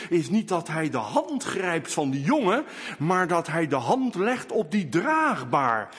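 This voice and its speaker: A man preaching a sermon in slow, emphatic delivery, now and then rising to loud calls. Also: high voice, slightly rough, long reverb tail.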